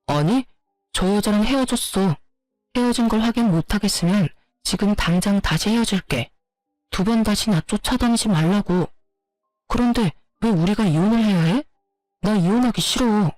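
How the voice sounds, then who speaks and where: A woman's voice: medium pitch, normal speed, a little mellow, no room sound, soft background music, close to an everyday voice, poor audio. A woman voicing a cheating young husband who pleads and makes defensive excuses. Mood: pleading.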